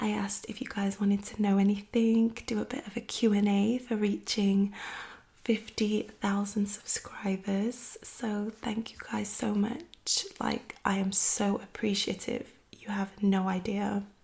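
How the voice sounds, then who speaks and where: This voice is soft-spoken. Delivery moves fairly slowly. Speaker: ASMR creator. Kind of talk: casual chat.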